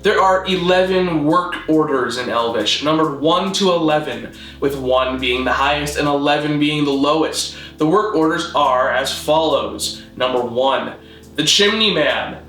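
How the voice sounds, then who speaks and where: A man hosting an educational video, narrating a scripted mock-academic lecture in a deadpan, didactic way. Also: fairly high pitch, unhurried, roomy sound, faint music behind. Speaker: host, video essayist on constructed languages.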